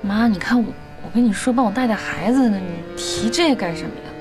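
A woman's voice: mid-range voice, a little fast, music in the background, lightly acted. An actress playing a young mother who pleads with her own mother and argues back in a TV drama scene. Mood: defensive. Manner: pleading, defensive. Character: weary young mother, defensive with her mother, gentle with child. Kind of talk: TV drama acting.

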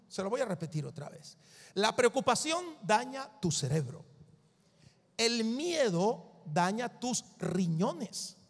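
A male preacher with a high voice delivers an emphatic sermon, repeating his points to drive them home. The voice rings with a long hall reverb. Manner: emphatic, repeats lists for the congregation.

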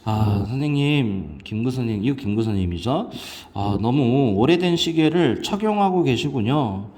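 A man teaching English grammar from a textbook, asking questions and answering them himself. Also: normal speed. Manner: lively, asks students questions and answers himself; sudden jumps in pitch on English words. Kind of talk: explaining a textbook passage.

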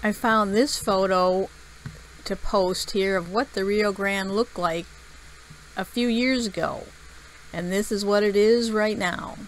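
A woman narrating her outdoor travel vlog in a measured, informative scripted voice-over. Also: medium pitch, fairly even intonation, slight background noise, poor audio. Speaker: travel vlogger.

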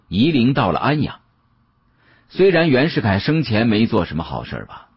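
A man reads a novel aloud with dramatic flair. His voice is deep and heavily husky, moving through animated rises and falls in a colloquial storyteller's manner. The recording is close and dry, though somewhat dull. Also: dry recording. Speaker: audiobook narrator. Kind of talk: dramatic first-person novel narration. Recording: muffled, dull lo-fi audio.

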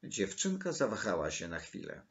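A man narrating a novel chapter in a measured, deliberate storytelling manner. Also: low voice, huge pitch swings, vocal fry, dull audio. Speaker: audiobook narrator. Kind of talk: scripted literary narration.

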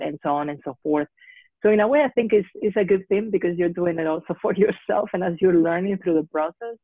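A woman's voice: deep voice, dry recording. Spanish-accented woman on a thin call line. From Spain. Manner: hesitant, many fillers. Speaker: guest health coach. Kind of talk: online panel conversation. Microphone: video call. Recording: tinny phone-like call audio.

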